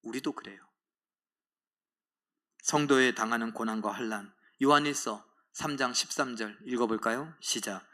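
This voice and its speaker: A middle-aged male pastor preaching a sermon, swinging between loud emphatic outbursts and hushed, whispered asides. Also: mid-range voice, moderate pace.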